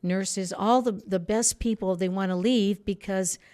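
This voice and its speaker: This interview guest, a political candidate who grew up speaking Spanish, has a mellow mid-range voice with fairly even intonation and a slightly slow pace. Her earnest answers ramble, often breaking off mid-sentence.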